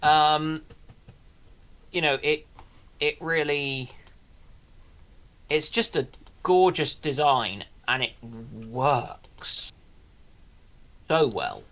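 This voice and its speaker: Guy on a panel just chatting, bright sharp voice, kinda pausing to find his words. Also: fairly high pitch, animated. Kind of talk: casual chat.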